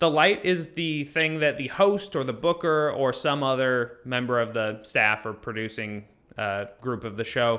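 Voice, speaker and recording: The delivery is energetic, with lively intonation and a bright, sharp tone at a fairly slow pace. The recording is very clean, with a silent background. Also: man. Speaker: comedy instructor. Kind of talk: lecture. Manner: casual, energetic.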